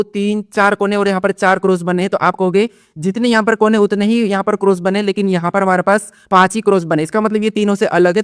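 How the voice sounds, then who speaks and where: A man's voice: high-pitched, clean tone, dry recording, studio quality. A man teaching a reasoning exam-prep lesson. He asks questions and answers them himself, and keeps checking in with "theek hai".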